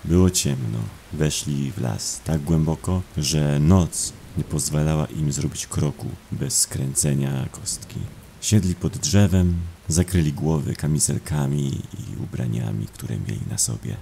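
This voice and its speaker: Mężczyzna, narrator słuchowiska grozy, opowiada ponuro i miarowo. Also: male voice, very deep voice, creaky, warm tone, slight background noise. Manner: somber, measured storytelling. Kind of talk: scripted horror audio drama narration. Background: music.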